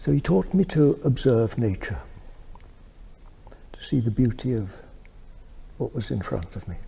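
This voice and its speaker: A man speaks at a medium pitch and moderate pace, his somewhat breathy voice dark and mellow in tone with lively intonation. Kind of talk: interview answer. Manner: soft-spoken.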